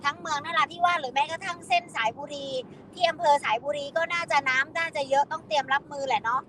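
A woman hosts a live news talk, asking quick questions. Her voice is high and fast. A crowd murmurs behind her. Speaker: news host.

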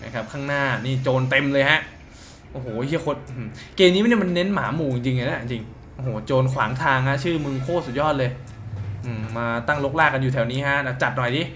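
A man's voice: medium pitch, a little fast, fairly bright tone, a little hiss or hum. A man giving casual, crude and joking commentary while playing a mobile game, reading its dialogue aloud. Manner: crude, profane, joking banter. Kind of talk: casual let's-play commentary.

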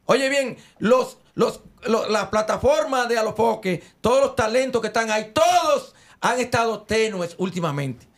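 A man's voice: extremely high pitch, lively intonation, normal speed. A man giving emphatic, lecturing commentary into a desk microphone in a studio. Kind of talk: opinionated commentary. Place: studio with red panels. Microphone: headset and desk mic.

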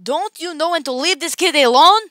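A woman's voice: sits high, moderate pace, a bit bright, no echo, clean studio sound, voice pushed up. A woman playing a blunt, protective middle-aged circus strongwoman in an audition, firm and emphatic. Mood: stern, scolding.

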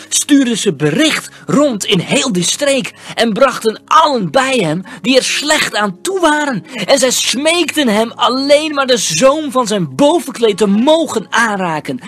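A reader giving a solemn, measured scripted Bible reading. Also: medium pitch, lively intonation, husky. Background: soft background music.

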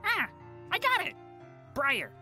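An excitable little forest creature in a cartoon. The voice is high and swoops widely, emphatic and instructive like a know-it-all, over children's music. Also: takes it slowly, exaggerated voice. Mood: explaining. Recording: prominent children's music behind voice.

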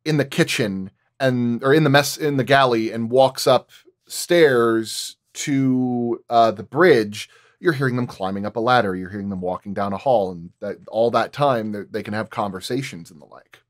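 A man's voice: medium pitch, normal speed, no room sound, studio quality. A man working as a sound designer explains his craft in detail in a roundtable discussion.

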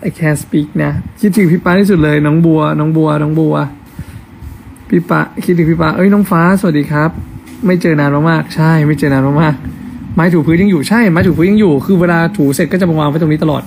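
A man's voice: a little high, fairly even intonation, fairly quick, creaky, darkish tone, slight background noise. A young man on a casual live stream, chatting affectionately as he reads out fan comments. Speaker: actor hosting an Instagram live.

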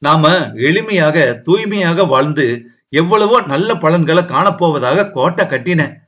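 A man's voice: a little high, expressive, measured pace, fairly bright tone, dull audio. A man reading the part of a young wife in an audiobook, earnest and reproachful as she pleads with her husband. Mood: hurt, pleading.

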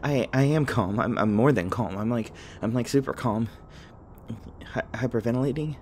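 A man's voice: mid-range voice, normal speed, a little mellow, a little hiss or hum, close to an everyday voice. Jittery, stammering young man, acted out. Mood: panicked. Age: young adult. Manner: nervous, stammering, rambling. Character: jittery, rambling young human man rescued by a vampire. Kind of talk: audio roleplay acting, addressed to the listener.

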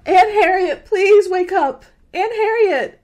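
Young woman acting as scared pleading college girl in a spooky radio play, high voice, slow and halting. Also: darkish tone. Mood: pleading, desperate. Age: young adult. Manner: halting, breathless repetitions. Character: frightened, pleading college girl, easily panicked. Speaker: radio drama actor.

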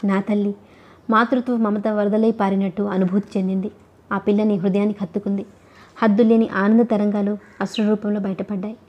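A woman narrating a novel as an audiobook reader, in a steady, even storytelling manner. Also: mid-range voice, a little fast, dull audio.

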